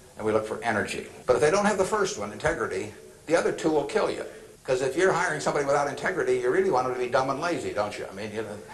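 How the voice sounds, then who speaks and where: A man with lively intonation, heard with audible room echo. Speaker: guest. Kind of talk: lecture. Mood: folksy, gently humorous. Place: hall. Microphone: podium.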